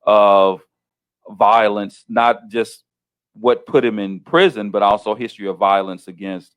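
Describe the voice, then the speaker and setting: A middle-aged man acting as interviewer and host asks long, leading questions, restarting often and checking in with things like "right?". His voice is fairly low, steady, and smooth, and he speaks at an unhurried pace.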